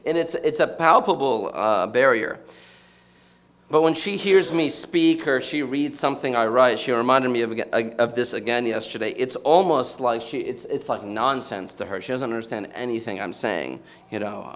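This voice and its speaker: A man in his thirties from the United States stands before a live audience and gives a personal talk. His voice sits at a middle pitch. He speaks reflectively and often stops to search for the right words. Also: fairly bright tone.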